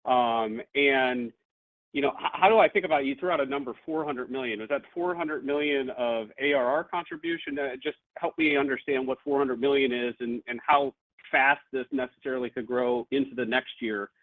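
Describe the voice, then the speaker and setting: A man with a mid-pitched voice asks a question as an analyst calling into an earnings call. He is tentative and halting, thinking aloud, and heard through a tinny phone connection. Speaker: financial analyst caller. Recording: narrow tinny phone line.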